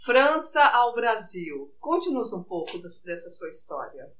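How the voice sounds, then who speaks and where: Slow, lively-pitched woman interviewer. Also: poor audio. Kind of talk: interview questions.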